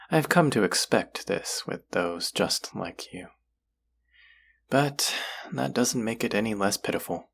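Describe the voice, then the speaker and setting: A male actor plays a seductive, possessive demon in an intimate audio drama. The voice is very low and husky, and it moves slowly. The delivery is teasing and menacing, often sinking into a whisper. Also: fairly bright tone, heavily acted. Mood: pitying, seductive. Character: possessive, seductive demon who craves human hearts. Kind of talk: intimate scripted audio roleplay.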